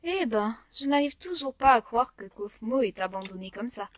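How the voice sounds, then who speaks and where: A woman's voice: on the high side, animated, normal speed, noisy background, natural voice. A woman voicing an anxious, kindly rag doll in a cartoon fan dub. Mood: uneasy.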